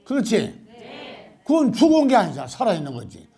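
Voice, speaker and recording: Animated older monk preaching. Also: male voice, sits high, a little fast, husky. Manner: animated, questioning the audience, laughing. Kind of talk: Buddhist dharma talk to a congregation.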